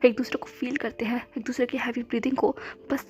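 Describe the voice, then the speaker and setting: A woman storyteller reading a romance story aloud in a soft, emotional, often hushed voice. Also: on the high side, fairly even intonation, a little fast. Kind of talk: scripted narration of a romance story. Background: faint background music.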